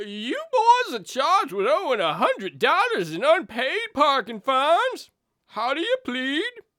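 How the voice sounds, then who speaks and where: A cartoonish character voice, high-pitched with very wide pitch swings, at a moderate pace. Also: female-sounding voice. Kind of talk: comic overacting. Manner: blustery.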